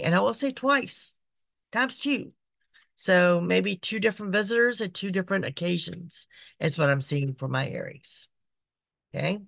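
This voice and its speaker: A woman, hosting a psychic podcast, her voice raspy from being sick, chatty and repetitive. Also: fairly low pitch, fairly bright tone, dry recording. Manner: chatty, repeats phrases, frequent "okay". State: raspy voice from illness. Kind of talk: casual monthly horoscope reading. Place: small decorated home room.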